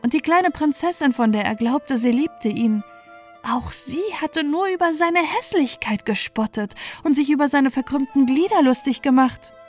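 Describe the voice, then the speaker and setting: Woman storyteller, calm bedtime reading, fairly high voice, soft music under it. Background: soft background music.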